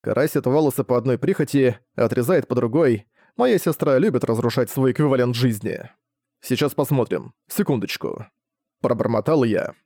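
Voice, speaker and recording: A man reading a novel aloud in a measured, even first-person narration. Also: mid-range voice, dry recording, clean studio sound. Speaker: audiobook narrator.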